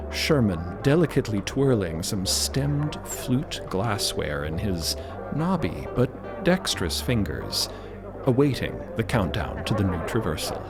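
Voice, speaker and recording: A man narrating a scripted story as the narrator of an audio drama. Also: on the low side.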